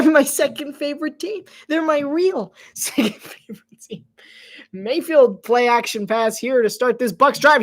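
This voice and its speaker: A man giving casual live play-by-play commentary, chatty and rambling, breaking into laughter and dropping to soft whispered asides between plays. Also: extremely high pitch.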